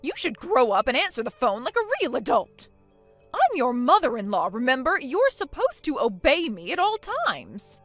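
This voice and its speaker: A domineering mother-in-law who barks orders and scolds, played by a woman. Her voice sits a little high and swings widely from line to line, with soft music underneath. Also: very animated, normal speed, no room sound. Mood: bossy. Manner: indignant, demanding, scolding. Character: domineering middle-aged mother-in-law, bossy. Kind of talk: acted family drama.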